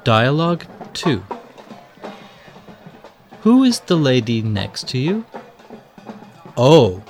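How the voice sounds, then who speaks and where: A man reading scripted language-lesson audio, enunciating each word slowly and clearly. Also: mid-range voice, very animated, a little mellow, soft background music. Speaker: textbook audio reader.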